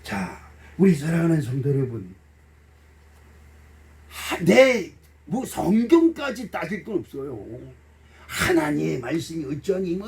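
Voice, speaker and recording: A middle-aged male pastor with a high, very animated voice preaches in a folksy, emotional way, acting out voices and tossing blunt jokes to his congregation. He is picked up from a distance in a church, so the sound is set back from the mic. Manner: blunt, joking asides to the congregation. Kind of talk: sermon. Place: church sanctuary.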